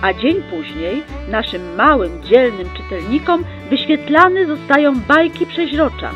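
A woman narrating a library chronicle in a brisk, upbeat old-newsreel announcer manner. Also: sits high, sing-song, highs cut off. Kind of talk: mock 1960s newsreel narration. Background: plucked guitar music.

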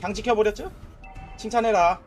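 A young man giving casual, excitable commentary over his own mobile game, trash-talking and narrating his plays. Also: high voice, moderate pace, soft background music. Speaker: gaming YouTuber.

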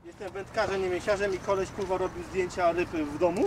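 A man chatting casually on a boat while fishing, rambling in halting restarts and swearing. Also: sits high, steady tone, noisy background. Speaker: angler companion.

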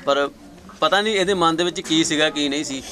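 A man's voice: on the high side, fairly quick, fairly bright tone. A middle-aged Punjabi man telling his son's story in a conversational, repetitive way, often quoting himself and his son. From Punjab, India. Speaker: father of a young dancer. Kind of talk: recounting family story.

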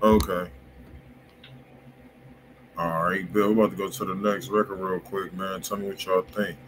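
Low-voiced American man, noisy stream. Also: flat delivery, normal speed. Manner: slangy, informal. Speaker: music review show host. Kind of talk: casual livestream chat. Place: indoor room at home, on a livestream. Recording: noisy room webcam stream.

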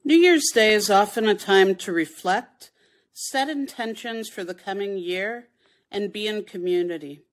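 A woman reads out step-by-step written instructions with care. Her pitch is medium and her pace very slow, deliberate and instructive throughout. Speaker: poet. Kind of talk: reading written instructions aloud.

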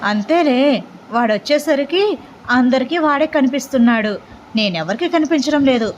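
Picture a chatty young man who grumbles in a playful, whiny way, voiced by a woman narrator. The pitch sits a bit high, with a slightly dull recording and faint hiss. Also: animated, moderate pace.

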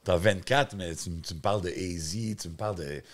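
A man with a Quebec French accent hosting a casual podcast interview, relaxed and mixing English phrases into his French. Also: deep voice, fairly quick. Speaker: podcast host.

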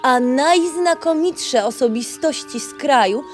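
A woman's voice: high voice, lively intonation, a little slow, soft background music. A woman voicing an earnest, dreamy female tortoise in a children's audio play. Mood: dreamy, longing.

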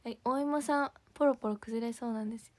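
A woman's voice: a little high, steady tone, fast talker, darkish tone. A young woman chatting casually to viewers on a livestream, giggling and sometimes dropping to a whisper. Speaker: idol livestream host.

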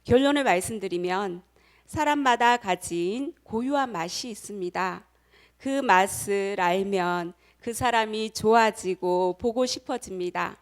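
A woman's voice: mid-range voice, unhurried. A middle-aged woman giving a motivational lecture, telling a personal story and speaking directly to her audience. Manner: acts out quoted voices.

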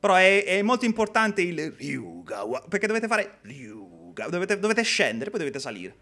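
Lively chatty streamer guy. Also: high-pitched, normal speed. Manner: chatty, reads viewer comments aloud, jokey. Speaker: game streamer. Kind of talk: live gameplay stream chat.

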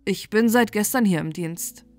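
A woman's voice: medium pitch, normal speed, darkish tone, natural voice. A woman voicing a cheerful, curious young king's son in a bedtime fairy tale, exclaiming in wonder.

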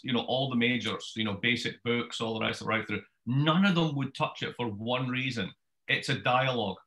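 A Scottish man in his fifties giving a wry, brisk book talk over a video call from his home study. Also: medium pitch, low-quality recording. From Scotland. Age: 50s. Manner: brisk, wry storyteller with lively gestures. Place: home study with bookshelves, indoors. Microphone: webcam video call.

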